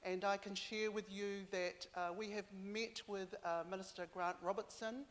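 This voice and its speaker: NZ woman, board member at a hui, halting delivery with fillers, mid pitch, long hall reverb. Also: steady tone. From New Zealand and Samoa. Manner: halting, with many fillers, mixing in Māori. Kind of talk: speaking at a community consultation.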